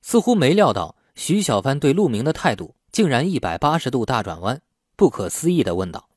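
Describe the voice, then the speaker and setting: A man's voice: medium pitch, big pitch swings, fairly quick, slightly rough, no room sound, clean studio sound. A man narrating a novel as a scripted, dramatic audiobook.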